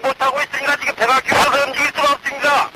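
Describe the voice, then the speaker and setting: A man's voice: extremely high pitch, little pitch movement, rapid-fire. A man on a ship's crew speaking over a two-way marine radio, hesitant and repeating himself in an urgent exchange with a control center. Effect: heard over a two-way marine radio. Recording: very noisy radio transmission.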